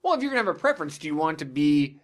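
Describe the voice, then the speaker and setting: A man's voice: fairly high pitch, very animated, racing. A man hosting a casual video game podcast, chatting in an opinionated way and swearing freely. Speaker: podcast host.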